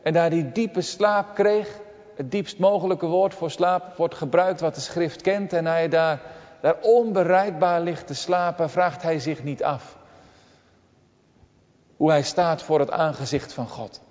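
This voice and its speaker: A man's voice: on the high side, a little slow, a little mellow. A man preaching a sermon to his congregation, earnest, rising in force and falling almost to silence. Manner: earnest, with dramatic swells and drops to near silence. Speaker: pastor. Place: church. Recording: dull recording with long church reverb.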